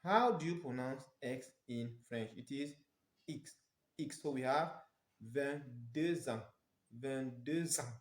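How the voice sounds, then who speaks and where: Male language tutor, Nigerian accent, medium pitch, didactic and emphatic delivery with careful repetition, reverberant room sound. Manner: didactic, emphatic, repeats phrases slowly for pronunciation. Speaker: French teacher. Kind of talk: instructional language lesson, step by step.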